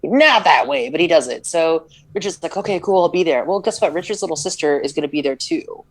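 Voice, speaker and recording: A woman's voice: low voice, expressive, brisk, poor audio. A woman on a podcast retelling a movie plot in casual chat, full of "like" fillers and stumbles over words. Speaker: podcast co-host.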